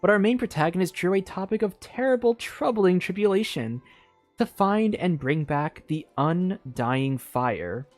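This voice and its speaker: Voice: medium pitch, expressive, measured pace. A game streamer chatting informally and reading a story aloud, stumbling over words and commenting along the way. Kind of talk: casual livestream chat mixed with read-aloud storytelling. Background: music.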